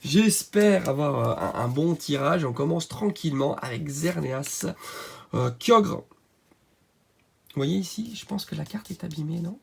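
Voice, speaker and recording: Hoarse man with a cold, gravelly. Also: on the high side, measured pace. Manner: chatty, many fillers, excited at good pulls. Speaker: channel host. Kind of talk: card unboxing commentary.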